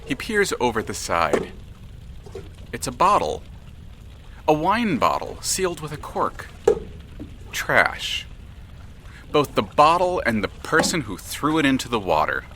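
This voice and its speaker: A man narrating an audio drama in a measured, dramatic, literary storytelling manner. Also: medium pitch, huge pitch swings, noisy background.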